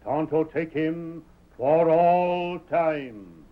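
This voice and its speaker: Imperious tribal chief, broken English, deliberate pace, dull 1930s radio sound. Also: male voice, fairly high pitch. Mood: commanding, generous. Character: commanding, generous Native American tribal chief. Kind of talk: 1930s radio western acting. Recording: muffled 1930s radio recording.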